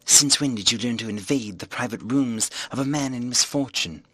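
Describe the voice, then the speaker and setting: A man voicing a menacing, coldly threatening invisible man in an audiobook, hushed and commanding. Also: medium pitch, moderate pace, slightly rough, no echo. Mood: cold menace.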